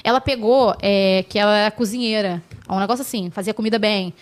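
A woman from Brazil telling animated stories as a podcast guest, acting out the people she quotes and laughing often. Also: medium pitch, brisk. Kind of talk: casual storytelling chat.

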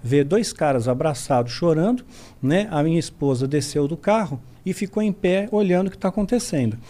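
Brief: Brazilian man, higher voice, lively storyteller who acts out every quote. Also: brisk. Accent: Brazilian Portuguese. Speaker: podcast guest. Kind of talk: casual storytelling.

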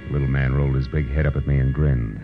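An American actor playing a tough, wisecracking private detective who also narrates, in clipped, slangy 1940s radio style. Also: male voice, rumbling low, steady tone, fast talker. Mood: wry narration. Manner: hard-boiled, clipped, slangy. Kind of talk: 1940s hard-boiled radio detective acting. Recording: muffled old radio recording, background music.

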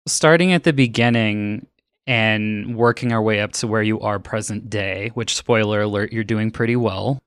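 A man's voice: fairly low pitch, normal speed, fairly bright tone, clear, resonant tone, no echo, studio quality. A man hosting a podcast, reading an upbeat intro and then interviewing a guest, laughing easily. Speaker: podcast host.

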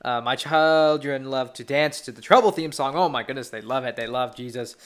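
A man's voice: mid-range voice, brisk. A teenage boy hosting his own podcast, rambling casually and eagerly as a devoted fan. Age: teens. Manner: rambling, enthusiastic fan chat. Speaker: podcast host. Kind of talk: casual solo podcast talk.

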